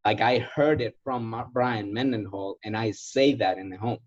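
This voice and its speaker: Male sales trainer, native Spanish speaker, lowish voice, emphatic informal coaching, slightly muffled lo-fi sound. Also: moderate pace. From Ecuador. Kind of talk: informal coaching in a question and answer session.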